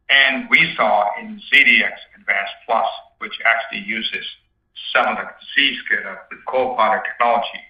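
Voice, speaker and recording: A man speaking as a company executive on an earnings call, explaining the business point by point in short emphatic phrases. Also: medium pitch. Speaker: company executive answering analysts' questions. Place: conference call. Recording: roomy, distant, dull conference-call audio.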